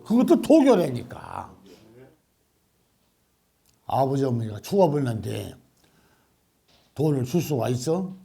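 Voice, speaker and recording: Animated older monk preaching. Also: male voice, mid-range voice, a little slow, vocal fry, long pauses, husky. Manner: animated, questioning the audience, laughing. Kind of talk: Buddhist dharma talk to a congregation.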